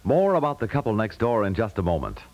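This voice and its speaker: An American man announcing on 1950s radio, reading a script in a formal, measured manner. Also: on the low side, big pitch swings, lo-fi sound. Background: music.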